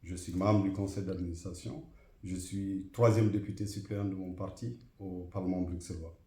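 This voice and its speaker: A middle-aged man from Guinea, answering interview questions in a measured, formal way with frequent hesitations. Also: low-pitched, steady tone, mellow, reverberant. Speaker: interview guest, association president.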